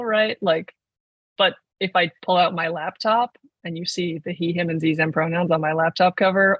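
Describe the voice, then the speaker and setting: In casual conversation as a podcast guest, a 21-year-old trans man rambles along, leaning heavily on "like." His voice is high-pitched. The audio is dull, with no room sound.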